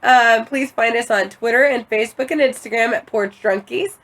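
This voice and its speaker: A woman's voice: on the high side, normal speed, a bit bright, a little hiss or hum. A woman hosting a casual podcast, giggling often as she thanks her guests. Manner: giggly, bouncy host. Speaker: podcast host. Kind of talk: casual chat.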